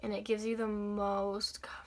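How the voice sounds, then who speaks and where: A young woman with a raspy, slightly hoarse voice after the flu, chatting casually through a makeup tutorial. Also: mid-range voice, completely flat delivery, normal speed. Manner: chatty, upbeat, filler-heavy. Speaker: beauty vlogger.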